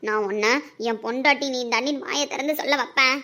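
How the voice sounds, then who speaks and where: A woman's voice: high-pitched, sharp tone. A woman playing a defiant young wife. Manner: defiant and taunting, quick retorts. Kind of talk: amateur audio drama acting.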